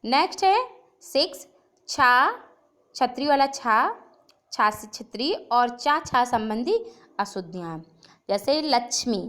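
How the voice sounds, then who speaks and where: A woman teacher explaining spelling mistakes over slides, repeating each word slowly and stressing its letter sounds. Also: fairly high pitch, a bit bright. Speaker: Hindi grammar teacher.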